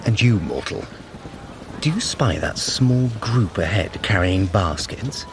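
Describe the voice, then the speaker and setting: A sly mocking trickster god, lowish voice that swoops around, steady noise behind. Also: male voice, slow, gravelly, heavily acted. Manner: wry, lively, commanding. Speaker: Loki. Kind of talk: audio drama acting.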